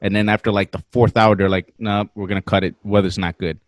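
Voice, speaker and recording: A man in his twenties casually telling a story on a podcast, animated and slangy, swearing freely. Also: lowish voice, fast, no room sound, studio quality. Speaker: podcast guest.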